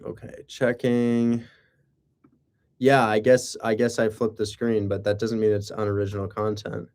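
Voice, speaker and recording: A man's voice: on the low side, little pitch movement, measured pace, a little mellow. A man chatting casually on a livestream, rambling with sarcastic asides and rhetorical questions. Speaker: live streamer and real estate wholesaler.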